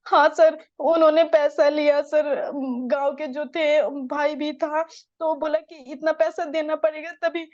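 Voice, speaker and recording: Young woman from Bihar, high pitch, dry and slightly dull recording, distressed interview testimony. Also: flat delivery, unhurried, darkish tone, no room sound. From Bihar, India. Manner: urgent, distressed retelling, addresses the interviewer as sir.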